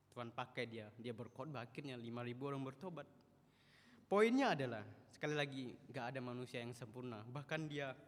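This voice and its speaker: A man in his twenties preaching a sermon in a church, chatty and animated, acting out the voices he quotes. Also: mid-range voice. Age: 20s. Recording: echoey church hall.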